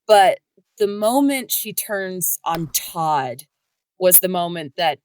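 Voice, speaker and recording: A woman's voice: fairly low pitch, animated, slow, darkish tone, smooth. A woman talking casually and expressively on a podcast, with emphatic phrasing. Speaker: voice actor discussing an audio drama.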